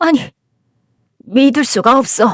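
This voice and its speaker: A woman puts on a character voice, pitched high. She speaks at a fairly slow pace and sounds shaky. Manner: trembling, shaken.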